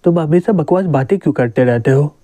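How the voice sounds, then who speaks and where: A man's voice: on the high side, brisk, dark tone, dry recording, lightly acted. A caring, bossy schoolgirl, read by a man.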